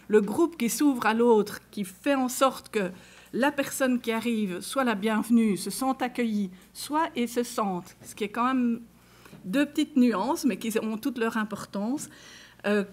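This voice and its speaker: A woman with a Belgian French accent addresses a live audience in a conference room, her voice sitting a little high. She talks in a loose, conversational way, turning to her listeners directly and reading short example cases aloud. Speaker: conference speaker.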